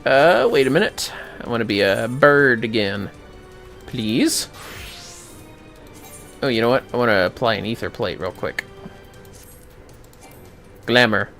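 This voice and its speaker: A man's voice: mid-range voice, expressive, a little slow, creaky, long pauses, a bit bright, soft background music. A man giving casual, foul-mouthed commentary on a gaming livestream, muttering to himself with playfully theatrical outbursts.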